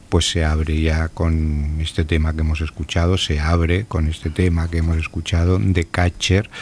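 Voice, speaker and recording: A man with a very low, deep voice hosts a music radio show. He talks in a relaxed, chatty way, jokes lightly and sometimes repeats a phrase as he goes. A faint hum sits under his voice. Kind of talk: casual radio chat.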